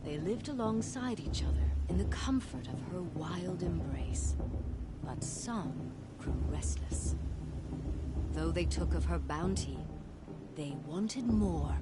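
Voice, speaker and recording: A woman playing a solemn elderly tribal storyteller in a video game, measured and reverent as she recounts a myth. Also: fairly low pitch, lively intonation, heavy background noise.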